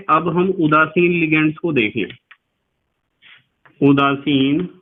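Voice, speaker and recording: A male chemistry teacher with a somewhat high voice gives a patient classroom lecture. He calls his students "beta", repeats key terms and spells them out letter by letter. The recording is thin and tinny, like a phone line.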